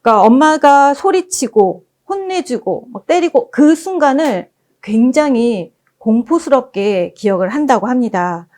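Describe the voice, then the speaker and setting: A woman presenting at a book forum who reads passages aloud as gentle storytelling. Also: sits high, expressive, unhurried. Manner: gentle storytelling, acting out quoted lines.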